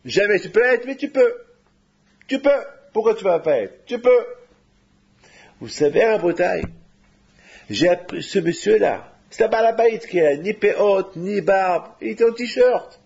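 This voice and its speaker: Animated preacher man, dull lo-fi recording. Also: unhurried, gravelly, slightly rough. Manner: animated, rising to high exclamations then dropping low. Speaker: rabbi. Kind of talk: sermon.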